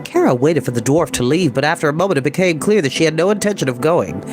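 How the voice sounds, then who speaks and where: A woman's voice: deep voice, expressive, fast. Woman reading a story over music. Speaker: storytime reader. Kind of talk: expressive children's story narration.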